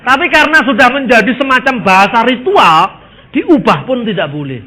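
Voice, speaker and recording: A man giving a lively talk to an audience as a Christian speaker, often quoting others in shifting voices. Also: extremely high pitch, moderate pace, a little hiss or hum. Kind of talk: lecture-style talk to an audience. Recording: tinny phone-like sound.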